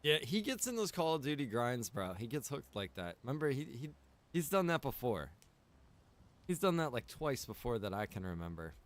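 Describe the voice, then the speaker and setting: A man's voice: medium pitch, very animated, normal speed. A man livestreaming a game, chatting casually and playfully with viewers in slangy talk. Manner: playful, slangy, addresses viewers as bro and dude. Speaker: live streamer. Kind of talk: casual livestream chat while gaming. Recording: music behind the voice. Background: music.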